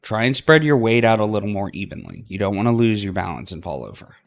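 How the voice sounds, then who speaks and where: Casting: male reader as a cocky, casual young trail leader, gravelly edge, lively delivery, for a visual novel. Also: lowish voice, quick pace. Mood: encouraging. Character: confident, teasing young adventurer leading a climb.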